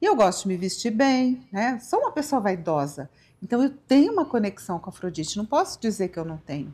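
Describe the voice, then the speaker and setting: A woman speaks at a fairly quick pace in a fairly high, somewhat breathy voice with a dark, mellow tone. Her pitch swings very widely and her loudness swings a lot. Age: 60s. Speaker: spiritual teacher and tarot reader. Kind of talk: casual live-stream chat. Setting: live stream.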